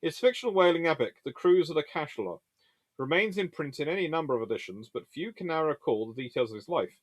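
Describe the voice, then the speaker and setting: A man's voice: a little high, animated, fast, no room sound. A man hosting a naval history show, reading aloud from books and chatting informally as he reviews them and answers questions.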